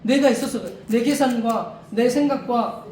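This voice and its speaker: A man's voice: extremely high pitch, moderate pace, darkish tone. A man preaching an informal sermon as a missionary, talking conversationally, repeating rhetorical questions, chuckling and restarting his sentences, in a church during a service. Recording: echoey room, far mic, faint noise.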